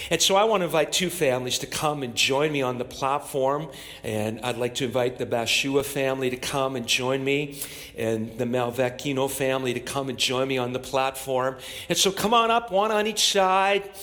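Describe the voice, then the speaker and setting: A man's voice: mid-range voice, a bit bright. A man preaching and praying as a church pastor, in a declamatory, repetitive cadence punctuated with amens. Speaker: pastor leading a church service. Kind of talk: sermon and public prayer. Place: church platform, speaking to a congregation.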